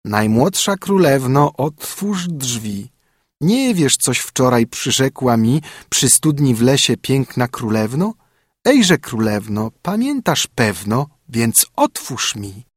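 A man voicing a pleading female frog from a well, speaking in a coaxing, drawn-out way. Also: mid-range voice, very animated, breathy edge, no echo, clean studio sound, full character voice. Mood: insistent.

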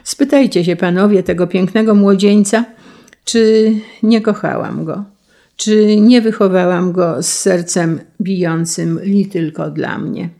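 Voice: medium pitch, a little slow, creaky, dark tone. A reader voicing a noble countess and mother confessing before the judges, in a solemn, emotional audiobook reading. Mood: solemn tearful. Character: grieving noble countess, mother, testifying in court.

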